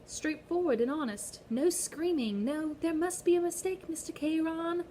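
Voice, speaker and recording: A woman voicing Charon, a smooth, cold male ferryman of the dead with a British-tinged foreign accent, in a condescending drawl. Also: high-pitched, moderate pace, dark tone, slight background noise, pitched above the performer's own voice, lightly acted. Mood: amused.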